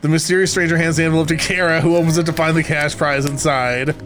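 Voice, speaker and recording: A man's voice: a little high, little pitch movement, quick pace, fairly bright tone. A man co-hosting a podcast, chatting casually and narrating a script to the group. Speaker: podcast co-host.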